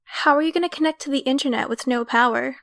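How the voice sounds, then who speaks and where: High-pitched, questioning woman, acted. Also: quick pace, vocal fry, a bit bright, dry recording. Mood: baffled. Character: baffled, questioning female sidekick.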